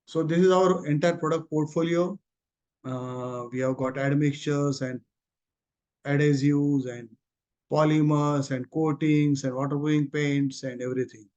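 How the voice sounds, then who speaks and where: Speaking a little slowly with fairly even intonation, a man with an Indian accent informally walks through his company's results as an executive on a conference call. His voice is fairly high and a little mellow, heard through muffled, lo-fi call audio.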